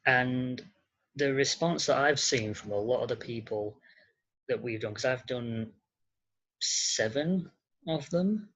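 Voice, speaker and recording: A podcast guest speaking in an interview, hesitant and halting, often searching for words, on a muffled recording. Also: medium pitch, fairly bright tone. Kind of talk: interview conversation. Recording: muffled lo-fi audio.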